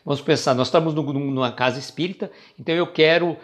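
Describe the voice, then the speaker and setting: A man's voice: on the high side, fast. A Brazilian man hosting a spiritist reflection stream, talking casually and greeting viewers by name. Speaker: host of a spiritist reflection livestream.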